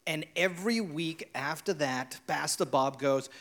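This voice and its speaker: A man's voice: a little high, measured pace, fairly bright tone. A man in his forties, a guest telling personal stories with lots of animation and laughter. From South Africa. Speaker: interview guest.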